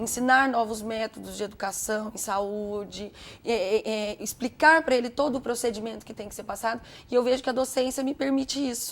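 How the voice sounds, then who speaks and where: A woman talks at a fairly quick pace and fairly high pitch. Her intonation is fairly even, though her loudness swings a lot. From Brazil, Umuarama, Paraná. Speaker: dentistry professor and course coordinator. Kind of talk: interview. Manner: fast.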